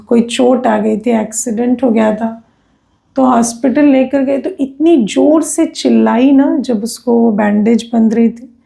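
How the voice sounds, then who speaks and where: A woman's voice: on the high side, creaky, warm tone. A woman, a spiritual teacher giving a conversational discourse that is full of tag questions and personal anecdotes.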